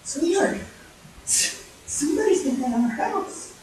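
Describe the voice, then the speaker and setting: A woman storyteller plays a protective storybook mama bear, sweet but fretful. The voice is high and lilting, with a strong room echo around it. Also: lively intonation, measured pace, darkish tone, distant mic, a little hiss or hum. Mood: worried. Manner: sweet, worried, fussing.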